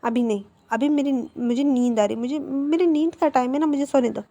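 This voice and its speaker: A woman voicing a lazy, playful young man who grumbles about sleep and talks excitedly in a storybook retelling. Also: high-pitched, fairly quick, no room sound, lo-fi sound. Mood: sleepy protest.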